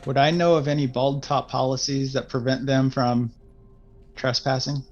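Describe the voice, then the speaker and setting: A man's voice: mid-range voice, little pitch movement, moderate pace, darkish tone. A man playing a tabletop role-playing game, talking casually with somewhat formal, stilted phrasing. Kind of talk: casual role-play talk. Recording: dull lo-fi sound, music behind.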